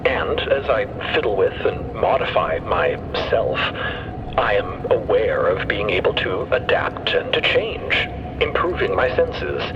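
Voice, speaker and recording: A man playing a thoughtful scientist whose mind lives in a mechanical body, speaking deliberately and analytically in an audio drama. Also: lowish voice, sing-song. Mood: reflective. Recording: dull band-limited sound with background noise.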